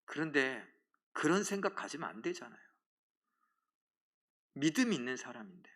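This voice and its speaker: A man's voice: on the high side, very animated, normal speed, a bit bright. A male pastor preaching a sermon, telling a story and asking the congregation questions. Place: church.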